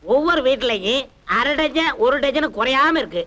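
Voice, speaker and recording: An actor playing a nosy, talkative building caretaker who gossips and angles for money in a film. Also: male voice, very high voice, expressive, moderate pace, pushed and bright, heavily acted. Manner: gossipy, cheeky.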